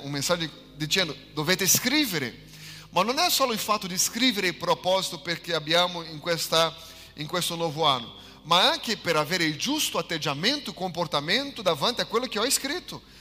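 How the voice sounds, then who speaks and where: Over noticeable background noise, a man speaks in a high, animated voice. His intonation is lively and his pace is moderate. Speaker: pastor. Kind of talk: sermon. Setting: church.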